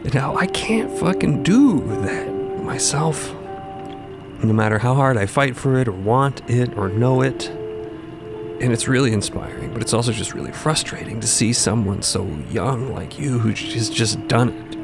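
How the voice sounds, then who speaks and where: Man voicing a hushed, creaky, self-doubting trans woman. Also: medium pitch. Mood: pained admiration, then apologetic. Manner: halting, sighing, breaking into hushed near-whispers. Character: adult trans woman, wounded, self-doubting, earnest, confessional. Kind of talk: emotional dramatic monologue in a narrated fiction podcast. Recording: loud music bed.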